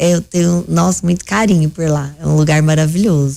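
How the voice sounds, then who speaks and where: The speaker has a Minas Gerais accent and ordinary pitch variation. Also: woman. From central Brazil, Goiânia. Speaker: physician. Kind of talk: radio interview.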